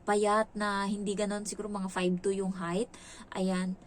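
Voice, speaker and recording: A woman's voice: mid-range voice, flat delivery, measured pace, slight background noise. A woman who works as a domestic helper, telling a story in a casual, gossipy way with frequent exclamations.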